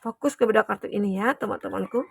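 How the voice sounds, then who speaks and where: A woman's voice: mid-range voice, fast talker, gravelly, slightly rough. A young adult woman giving a chatty, reassuring collective tarot reading to her viewers, with many fillers. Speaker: tarot reader.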